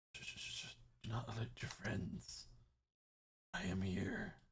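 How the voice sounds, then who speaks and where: Moderate pace, raspy tone, a put-on character voice. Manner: hushed, sinister whisper.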